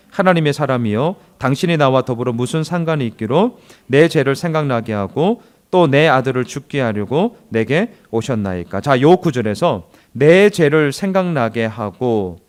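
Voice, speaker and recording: A male pastor delivers a sermon in a church, his voice sitting a little high and swinging widely in pitch. He often puts questions to the congregation and bursts into loud, acted-out quotations. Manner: animated preaching, acting out quoted lines loudly.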